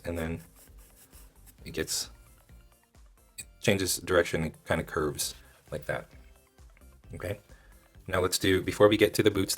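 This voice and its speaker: A man who is a little hoarse, giving casual step-by-step drawing instruction and thinking aloud as he demonstrates. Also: low voice. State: hoarse, losing his voice. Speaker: drawing tutorial host.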